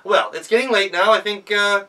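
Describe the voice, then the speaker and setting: Man putting on a high-pitched sly wolf-grandma. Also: moderate pace, sharp tone, recorded from a distance. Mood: coaxing. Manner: hesitant, excuse-making, coaxing. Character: sly wolf posing as a sweet old grandma. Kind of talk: animated storybook character voice.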